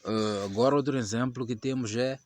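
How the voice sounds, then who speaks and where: A man teaching English pronunciation to Portuguese speakers, slowly repeating each example word several times. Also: mid-range voice, fairly even intonation, darkish tone. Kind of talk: pronunciation lesson.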